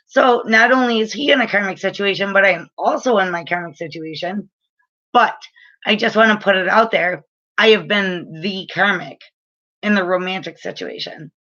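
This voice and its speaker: Woman, late 30s, spiritual reader, chatty and earnest, crisp bright tone, a bit muffled. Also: mid-range voice, normal speed. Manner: chatty, filler-heavy, earnest and frank. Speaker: spiritual reader and energy healer. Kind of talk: casual spiritual advice talk to camera.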